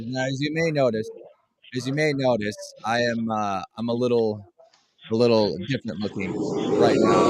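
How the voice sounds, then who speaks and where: A man's voice: lowish voice, slight background noise. Man with a robotic metallic voice. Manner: hammy showman announcing. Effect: robotic, metallic-sounding voice. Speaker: co-host. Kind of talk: comedic podcast chat.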